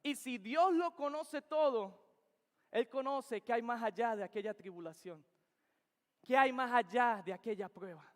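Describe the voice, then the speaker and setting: A man's voice: very high voice, a little slow. A young man preaches. He speaks in earnest, emphatic bursts and keeps circling back to his key phrases. The sound carries the long reverb of a church sanctuary. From Venezuela. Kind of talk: sermon.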